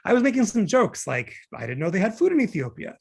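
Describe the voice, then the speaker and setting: Actor as husky, creaky neurotic single guy. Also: high-pitched, sing-song, quick pace, exaggerated voice. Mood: anxious, exasperated. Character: neurotic wisecracking single man, defensive and talkative. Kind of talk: virtual table read of a film comedy. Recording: remote video-call table read.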